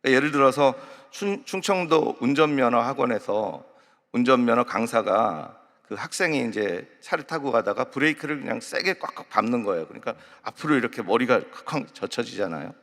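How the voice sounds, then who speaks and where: Male pastor, gravelly voice, chatty sermon style with light anecdotes, recorded with long reverb in a large church. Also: mid-range voice, animated, brisk, fairly bright tone. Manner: conversational, explaining and telling lighthearted anecdotes. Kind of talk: early morning sermon.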